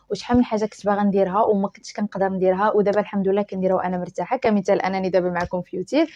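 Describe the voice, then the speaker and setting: Rapid-fire Moroccan woman giving advice. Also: a little high, mellow. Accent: Moroccan Arabic. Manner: rapid, emphatic, addresses the viewer directly. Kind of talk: direct-to-camera advice talk.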